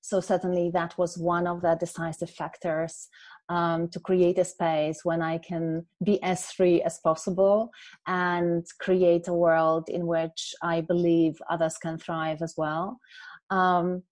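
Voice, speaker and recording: A woman in her forties from Poland with a Polish accent, speaking as an interview guest in a thoughtful, measured way with frequent pauses. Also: on the low side, little pitch movement, darkish tone, no echo. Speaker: guest, culture consultant. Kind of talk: reflective interview conversation.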